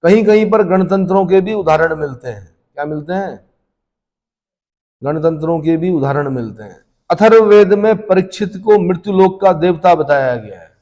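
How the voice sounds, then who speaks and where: A male history teacher with a high, warm voice and lively intonation lectures at a moderate pace for exam prep. He constantly quizzes students and answers himself, his words ringing in a long, reverberant room.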